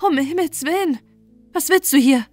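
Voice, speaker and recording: A woman reading a young princess in a bedtime fairy tale, kind and anxious, pressing her advice with earnest urgency. The voice lifts noticeably higher than the narration. Faint music plays softly behind her. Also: moderate pace, dry recording, lightly acted. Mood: alarmed.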